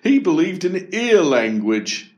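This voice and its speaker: A man's voice: sits high, sing-song, slow pace, a little mellow, pitched above the performer's own voice, full character voice. A man voicing a matter-of-fact, jokey father in a storybook reading.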